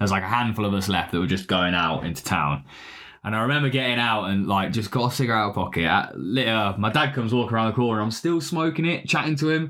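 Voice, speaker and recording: A man with an East Midlands accent speaks at a very fast pace with very even loudness. His medium-pitched voice has a bright, sharp tone and lively intonation. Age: 20s. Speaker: podcast host. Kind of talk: casual chat. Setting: studio.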